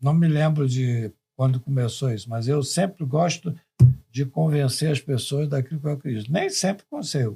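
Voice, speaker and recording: A man speaks at a moderate pace in a fairly high pitch, somewhat breathy with a dark, mellow tone and ordinary pitch variation. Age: 80s+. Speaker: computer science professor. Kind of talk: podcast interview, storytelling.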